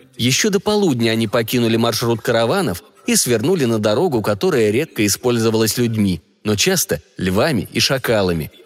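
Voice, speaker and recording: A man at a medium pitch, fairly quick, with lively intonation and very even loudness, over noticeable background noise. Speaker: audiobook narrator. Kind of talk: scripted narration, audiobook reading of weird fiction. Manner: measured, formal, literary storytelling; gradually building dread and tension.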